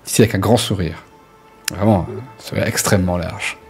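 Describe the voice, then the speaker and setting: A male game master with a very deep voice improvises scene descriptions for a tabletop game. His delivery is casual and conversational, over background music. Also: moderate pace, a little mellow. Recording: music playing under the voice.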